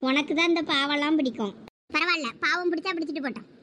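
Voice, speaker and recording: A soft-hearted young sister with a Thoothukudi Tamil accent, as a woman puts her on, her voice pleading and a little lower than the others in this village comedy skit. She speaks gently and a bit slowly. The pitch stays fairly high. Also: a little hiss or hum.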